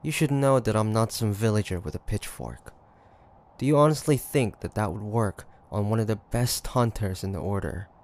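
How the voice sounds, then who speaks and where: A man playing a cocky, stubborn demon hunter of the 1850s in a dramatic audio roleplay, theatrical and halting. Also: lowish voice, darkish tone, a little hiss or hum, lightly acted. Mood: taunting, smug. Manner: theatrical, taunting, halting with sighs and pauses.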